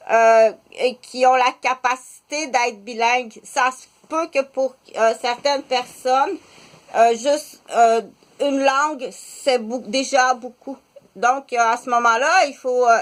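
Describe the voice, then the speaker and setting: A woman in her fifties with a Québécois French accent, talking slowly in a halting monologue full of filler pauses. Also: a little high. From Quebec. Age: 50s. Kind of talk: casual spoken monologue.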